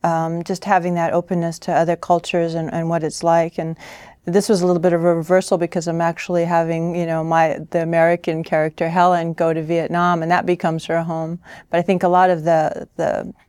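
A woman's voice: lowish voice, completely flat delivery, brisk, darkish tone, clean tone, dry recording. A woman born in Austria, a novelist guest, answering interview questions thoughtfully with many fillers and restarts. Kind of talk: conversational interview.

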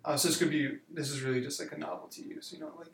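A man in his twenties, a university student, answering interview questions in a relaxed way with many fillers. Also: on the high side, fast, echoey room. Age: 20s. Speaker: student guest.

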